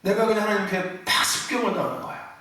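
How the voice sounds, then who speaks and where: High, bright-voiced pastor in an echoey hall. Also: male voice, steady tone, fast talker. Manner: impassioned, often shouting and laughing mid-phrase. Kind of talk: sermon. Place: church sanctuary. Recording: echoey church hall from far off.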